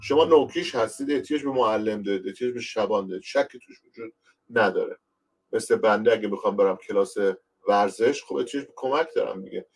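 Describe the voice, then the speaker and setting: A man's voice: lowish voice, recorded from a distance. A man from Iran, a pastor, giving a conversational online Bible lesson and speaking directly to his listeners as he explains.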